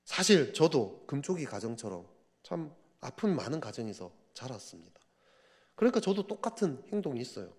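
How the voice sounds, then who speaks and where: A man's voice: medium pitch, big pitch swings, normal speed, darkish tone. A man preaching a sermon at a midweek prayer service, telling a story in a conversational way and often asking the congregation to agree. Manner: conversational storytelling, frequent rhetorical asides. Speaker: pastor. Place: church sanctuary. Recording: reverberant church hall.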